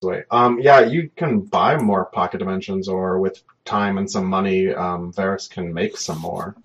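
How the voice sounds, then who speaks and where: A man running a tabletop game as game master, improvising narration in halting, repetitive phrases. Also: deep voice, breathy edge, lo-fi sound.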